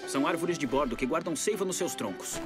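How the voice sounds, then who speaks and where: A man voicing an earnest young rescue team member in a dubbed cartoon, explaining things briskly. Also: a little high, lively intonation, loud music behind the voice, close to an everyday voice. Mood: explanatory. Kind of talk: animated cartoon dub.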